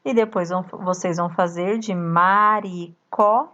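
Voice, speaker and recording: A woman teacher with a Brazilian accent, slowly reading a workbook lesson aloud to young children and chanting the syllables. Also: fairly low pitch, fairly even intonation, fairly bright tone, muffled recording. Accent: Brazilian Portuguese. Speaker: primary school teacher.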